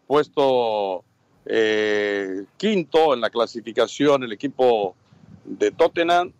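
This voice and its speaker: A male sports commentator with a middle-pitched voice. The sound is dry and close, and he delivers match previews in an informative radio style. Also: no room sound.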